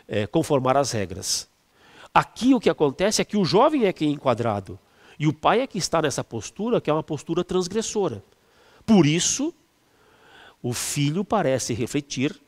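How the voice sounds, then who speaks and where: A male teacher walks students through exam questions in a lively, rising-and-falling voice. He fills pauses, restarts sentences, and drags out key words for emphasis. His voice rings with a long reverb, as if recorded in a large, hard room. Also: on the high side. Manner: explanatory, with frequent fillers and restarts; stretches words to stress them. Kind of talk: exam-prep lesson.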